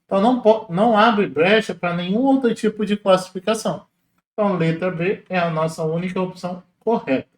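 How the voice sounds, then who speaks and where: A man walks through exam questions as a teacher, in a casual, explanatory way, slowing down to spell out syllables. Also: high-pitched, reverberant. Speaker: Portuguese teacher.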